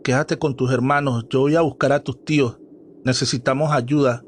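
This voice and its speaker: A man's voice: medium pitch, fairly even intonation, moderate pace, slight background noise, natural voice. A man voicing a worried mother who urges and pleads with her family. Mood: urgent. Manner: urgent, pleading. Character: worried mother, steady and firm.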